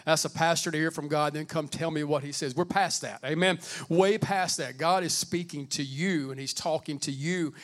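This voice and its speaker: A man with a somewhat high voice talks as a pastor to a congregation. The sermon is informal and conversational, with repeated phrases and prompts for agreement. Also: moderate pace, few pauses, a bit bright. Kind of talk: informal sermon with welcome and Bible reading.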